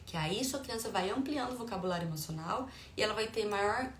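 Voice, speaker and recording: A woman's voice: medium pitch, expressive, brisk. A middle-aged woman with a Brazilian Portuguese accent talks parents through advice as a parenting educator. She explains patiently, at times acting out what she says to her children. The room is echoey with a faint hum of ambient noise behind her. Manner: warm explanatory tone, acts out dialogue with her children.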